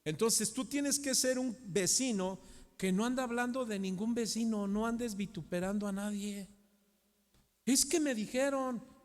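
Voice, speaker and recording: A middle-aged man with a Mexican accent preaches a sermon in a church hall. His voice sits high and rings out with long reverb, and he keeps turning to the congregation with rhetorical questions, swinging from loud to hushed. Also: steady tone, normal speed. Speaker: pastor.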